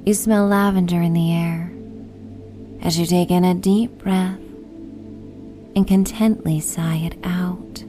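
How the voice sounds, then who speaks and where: A woman narrating a bedtime sleep story in a soothing, hushed, unhurried manner. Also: on the low side. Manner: soothing, hushed, unhurried guided relaxation delivery.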